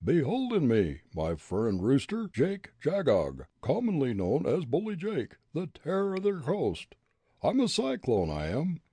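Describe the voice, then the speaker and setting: A swaggering backwoods bully blusters in a raised, drawling voice, as a male narrator puts him on. The tone is hoarse and breathy, close and dry. He boasts and threatens without pause. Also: on the high side, wildly swooping pitch, no room sound, pitched above the performer's own voice, full character voice. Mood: blustering. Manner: blustering, loud, drawling dialect. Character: brawling loud backwoods male ruffian, boastful.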